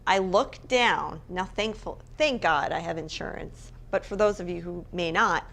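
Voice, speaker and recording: A woman's voice: lowish voice, normal speed, creaky, fairly bright tone. Chatty woman co-host telling stories. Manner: chatty storyteller, self-mocking. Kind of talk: casual chat. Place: hotel room.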